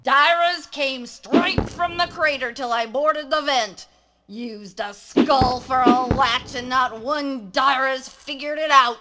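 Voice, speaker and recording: High-voiced, aggressive village fishwife. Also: female voice, slow. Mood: boastful. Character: gruff, aggressive woman chopping fish, telling tales. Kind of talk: cheesy 1990s video game cutscene acting. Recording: game cutscene audio with music behind.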